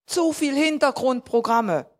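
A woman's voice: sits high, expressive, a little slow. A woman preaching a sermon in a conversational way, asking her listeners questions directly and rising to emphatic points.

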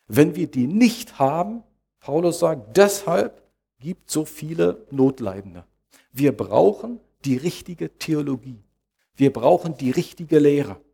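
A male pastor delivering a sermon in a measured, deliberate way. He circles back on key phrases and poses rhetorical questions. His voice has a gravelly, husky grain. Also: fairly high pitch, lively intonation, dark tone.

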